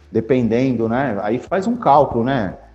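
A man talks fairly slowly with lively intonation while music plays in the background. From São Paulo, Brazil. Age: 40s. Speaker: posture and ergonomics specialist. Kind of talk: podcast interview. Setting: headset, remote recording.

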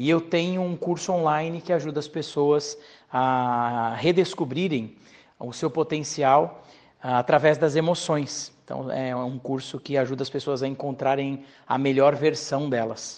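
The speaker has a normal speaking voice. The pace is fairly slow. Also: man, fairly high pitch for a man, fairly even intonation. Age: 40s. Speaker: actor and former TV puppet performer. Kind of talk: interview.

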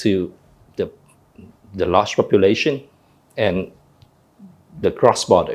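A man speaks at a fairly slow pace, stopping often for long pauses. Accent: Vietnamese. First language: Vietnamese. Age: 40s. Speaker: businessman and guest talk show host. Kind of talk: interview.

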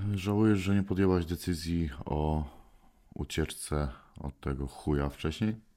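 On a very clean recording with a silent background, a man with a very deep, low voice and a dark, mellow tone talks at a fairly slow pace with ordinary pitch variation. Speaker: podcast host interviewer. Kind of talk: interview with scripted intro and outro. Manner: casual, direct.

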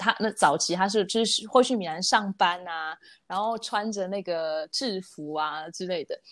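A woman talks at a medium pitch with lively intonation. Hers is an unremarkable speaking voice. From Taiwan. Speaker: guest sharing life experience. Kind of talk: casual chat. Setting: remote recording.

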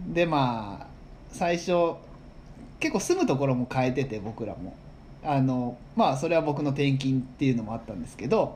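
Somewhat breathy, a man talks at a moderate pace with lively intonation and big swings in loudness. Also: medium pitch for a man. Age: 30s. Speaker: podcast host, freelance work-style consultant and househusband. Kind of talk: casual chat.

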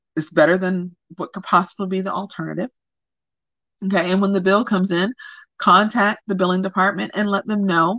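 Fairly quick in pace, a woman talks at a medium pitch with fairly even intonation. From US South. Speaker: radio host. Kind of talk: casual chat.

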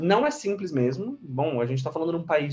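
A man with an unremarkable speaking voice, fairly high in pitch, with ordinary pitch variation. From Brazil, interior of Santa Catarina. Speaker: CRM and customer insights manager. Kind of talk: podcast interview.

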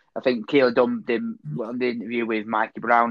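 A man talks at a fairly quick pace in a plain, everyday voice. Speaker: football podcast host. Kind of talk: casual chat.

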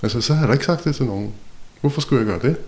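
The speaker is a man with a fairly high pitch. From Denmark, Gentofte (Copenhagen area). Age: 50s. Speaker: company director. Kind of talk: personal testimony in interview.

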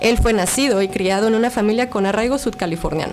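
Backed by music, a woman with a fairly high pitch talks at a very fast pace with ordinary pitch variation. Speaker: radio host. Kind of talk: radio show hosting. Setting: radio studio.

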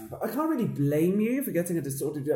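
Somewhat breathy, a man speaks with a dark, mellow tone. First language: Spanish. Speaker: podcast co-host. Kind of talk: casual comedic banter. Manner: animated, joking.

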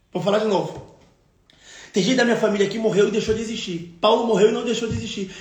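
Audible room echo surrounds a man with a high pitch. His tone is animated. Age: 30s. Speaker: pastor. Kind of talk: sermon. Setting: live stream on social media.

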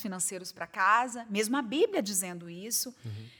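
Hers is an unremarkable speaking voice, a woman at medium pitch talking at a fairly quick pace with ordinary pitch variation. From Brasília, Brazil (moved from Cuiabá at 11). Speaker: teacher and storyteller, author. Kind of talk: casual interview.

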